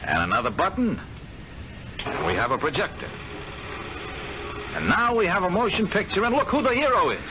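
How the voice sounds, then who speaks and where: An actor playing a smooth, sneering gambling-club blackmailer who gloats in an old radio drama. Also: male voice, high voice, very animated, moderate pace, pauses often. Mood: gloating. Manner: silky, gloating, amused. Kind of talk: 1970s radio drama acting. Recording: lo-fi vintage radio with clear hiss.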